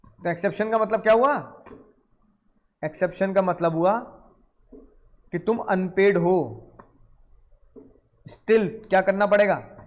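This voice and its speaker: A man teaching a law class in mixed English, lively, questioning his students and acting out small dialogues. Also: high voice, slow, pauses often. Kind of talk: classroom lecture.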